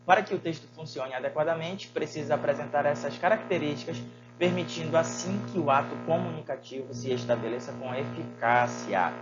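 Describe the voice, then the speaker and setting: A man's voice: a little high, brisk, highs cut off, over music. A man teaching a Portuguese lesson, asking his students rhetorical questions and using many fillers. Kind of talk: recorded online lesson.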